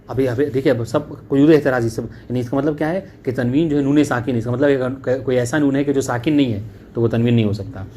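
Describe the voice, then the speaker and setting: A male religious teacher giving a classroom lecture on Arabic grammar. He reads the text slowly, then explains it in quick asides and keeps asking whether it is clear. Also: mid-range voice, warm tone, a little hiss or hum. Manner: keeps checking understanding with "clear?" and "okay". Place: classroom with a student present.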